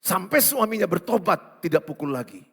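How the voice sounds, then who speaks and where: Male pastor, high voice, playful sermon delivery, big church reverb. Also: normal speed, vocal fry, breathy edge. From Indonesia. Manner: lively, teasing, acts out quoted voices, swings between loud and hushed. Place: large church hall. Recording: long hall reverb.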